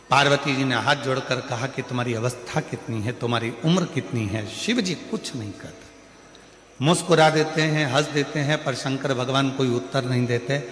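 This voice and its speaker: A man preaching a devotional sermon, telling a story with emphatic repetition. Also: mid-range voice. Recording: echoey hall reverb.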